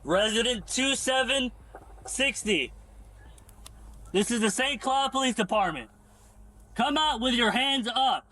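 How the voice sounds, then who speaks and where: A male police officer giving loud, clipped commands through a megaphone outdoors at a house standoff. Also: very high voice, lively intonation, a little slow, long pauses, slight background noise.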